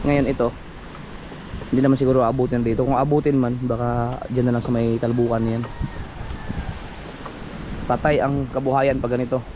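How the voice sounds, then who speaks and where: A man's voice: medium pitch, little pitch movement, moderate pace, long pauses, muffled recording. Brief: casual man vlogging by the sea, noisy background, chatty. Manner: chatty, playful teasing with a child. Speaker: fisherman vlogger. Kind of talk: casual vlog chat. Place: outdoors by the sea.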